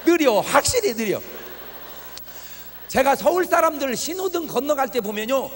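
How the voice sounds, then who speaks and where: Taken from a TV broadcast in a reverberant church hall, this clip features a male pastor at a revival meeting with a very high, sing-song, fairly bright voice. He speaks at a moderate pace, jokes around, and quizzes the congregation with teasing questions over slight background noise.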